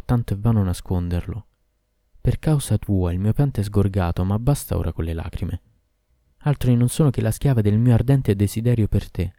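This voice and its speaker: A man's voice: low voice, warm tone, no echo, studio quality. A man voicing a passionate, cruel sorceress queen in a storybook reading, lamenting and pleading.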